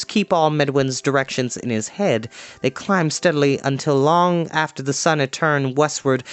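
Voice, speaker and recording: A man reads a story aloud expressively, breaking off for informal, chatty asides in which he explains words to listeners. His voice is a little high, and the recording is dry.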